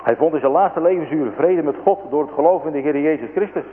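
A man's voice: fairly high pitch, quick pace, narrow, tinny audio, a little hiss or hum. A man narrating a religious story in a solemn, preaching manner. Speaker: story reader. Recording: thin echoing radio broadcast.

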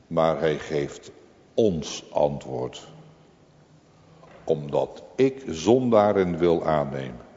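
Deep slow-speaking preacher in a reverberant church. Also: male voice, dark tone, lo-fi sound. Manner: slow solemn delivery, rising to impassioned climaxes. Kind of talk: sermon.

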